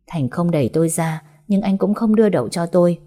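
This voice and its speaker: Mellow-voiced woman narrating a sorrowful story. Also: lowish voice, expressive, fairly quick. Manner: sorrowful, heartfelt emotional reading. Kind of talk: first-person audiobook storytelling.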